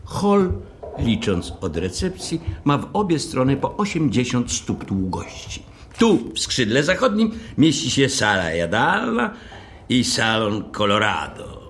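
An actor playing a pompous, officious hotel manager in an audio drama, speaking in a formal, methodical way. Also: male voice, medium pitch, wildly swooping pitch, unhurried, fairly bright tone, a little hiss or hum, full character voice. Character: officious, pompous male hotel manager briefing a new caretaker.

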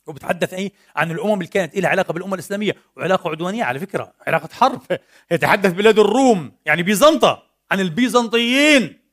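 Male preacher, high voice, rapid delivery, animated, rhetorical questions. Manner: animated, rhetorical questions, swings between loud and soft. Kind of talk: Friday sermon. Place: mosque.

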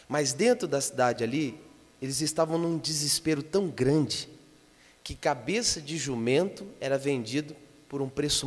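A man preaching a sermon as pastor, dropping to a hush and then rising to loud, impassioned appeals. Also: mid-range voice. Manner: impassioned, swings from hushed to loud. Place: church. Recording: long church reverb.

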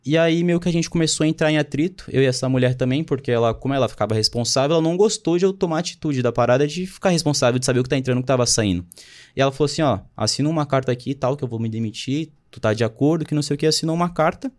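A man in his twenties races through his life story in a mid-range voice. It's a casual, slangy chat, and he often quotes what other people said.

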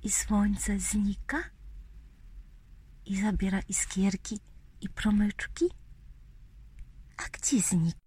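A woman telling a bedtime story to small children in a whispery, breathy voice, gently repeating phrases and asking them questions. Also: medium pitch, little pitch movement. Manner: slow, gentle, addressing little children with repetitions and questions.

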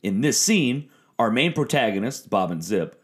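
A man's voice: lowish voice, big pitch swings, normal speed. A man giving a scripted introduction to an audio drama as one of its writers. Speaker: comedy writer presenting his show.

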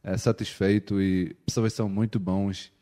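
A man speaking Portuguese as a second language with a European Portuguese accent, explaining things in a casual interview and often pausing to restart his phrases and checking in with his listeners. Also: on the low side, level tone, mellow. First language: not Portuguese. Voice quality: hesitant, with frequent restarts and filler checks. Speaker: missionary guest.

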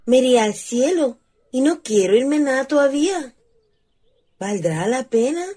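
Girlish, high-voiced Chilean country girl ghost. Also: expressive, unhurried, mellow, slightly rough, exaggerated voice. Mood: dreamy, wistful. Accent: rural Chilean. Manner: girlish, dreamy, cheeky. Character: wistful, cheeky youngest-sister ghost of a Chilean country girl. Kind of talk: radio theatre acting.

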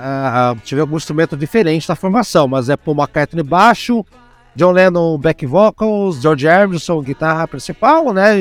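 A man with a Curitiba accent chats casually on a music podcast. His voice sits a little high and moves lively up and down. He talks loosely with fillers, and faint music plays behind him. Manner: animated, chatty, laughs often, many fillers. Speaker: podcast host. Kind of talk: casual podcast chat about music albums.

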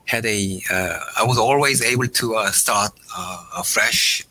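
A middle-aged man from South Korea, a native Korean speaker, talks with a strikingly bright, tense tone and a lowish pitch. He answers in short, halting phrases broken by constant "uh" pauses. A faint hiss sits behind his voice. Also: creaky, poor audio. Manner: halting, many "uh" fillers between short phrases. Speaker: startup founder, guest. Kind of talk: interview answers.

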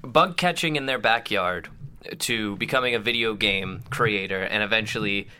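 A man's voice: lowish voice, normal speed, pushed and bright, slight background noise. A young man co-hosting a casual podcast chat, rambling and swearing casually. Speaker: podcast co-host.

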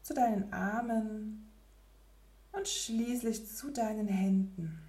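A woman leading a guided relaxation meditation in a soft, breathy, near-whispered spa voice with gentle pauses. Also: medium pitch, echoey room. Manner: slow, gentle, with long pauses.

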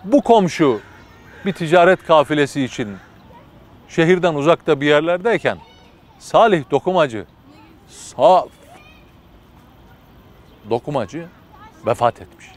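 A man's voice: on the high side, expressive, measured pace, pauses often. A man preaching through a religious story, told vividly and dramatically with casual fillers.

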